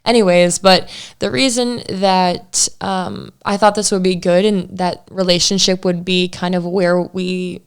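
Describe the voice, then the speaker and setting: A woman's voice: fairly low pitch, smooth. A woman in her twenties with an American Midwestern accent, chatting casually and playfully as a podcast co-host, often jumping in. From Michigan, United States. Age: 20s. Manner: playful, interjecting. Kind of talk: casual relationship podcast chat.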